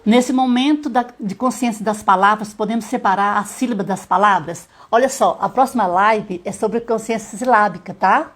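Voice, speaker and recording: A middle-aged woman, a literacy teacher on a live stream, explaining step by step, often checking in with her viewers and sounding out letters slowly. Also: medium pitch.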